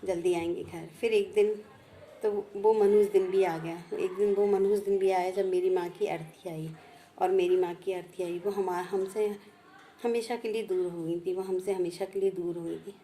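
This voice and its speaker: A woman speaking slowly and heartfelt as she recalls her past, repeating each phrase twice. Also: medium pitch, steady tone, warm tone, a little hiss or hum. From India. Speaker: vlogger sharing memories. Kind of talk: personal reminiscence.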